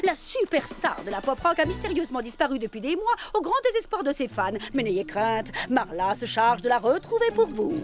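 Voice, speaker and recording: High-pitched vain cartoon diva, bossy, gushing, wildly swooping intonation, music behind. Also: female voice, sing-song, brisk, few pauses. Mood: grandiose. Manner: pompous, gushing, melodramatic. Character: bossy, vain, theatrical female celebrity TV reporter. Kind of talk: French animated cartoon dubbing.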